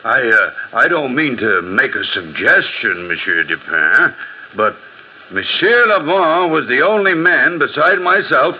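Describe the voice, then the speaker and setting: A man's voice: mid-range voice, big pitch swings, a little slow, highs cut off, slight background noise. Man playing a pompous bumbling gendarme. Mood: accusing. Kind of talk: radio play acting.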